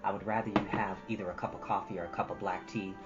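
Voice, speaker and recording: A woman with a very low voice hosts a storytime, moving between chatty asides and expressive reading. She is earnest and encouraging. The recording is a little dull, with music underneath. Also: fast talker. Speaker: storytime host and reader. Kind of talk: casual chat and expressive book reading. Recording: dull lo-fi audio with music behind.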